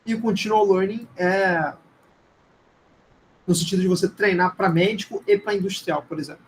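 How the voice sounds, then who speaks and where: A man's voice: high voice, fairly even intonation, normal speed, a little hiss or hum, poor audio. A man with a Brazilian accent, a native Portuguese speaker, giving an informal live lecture in a hesitant, conversational way with frequent check-in questions. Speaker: teacher.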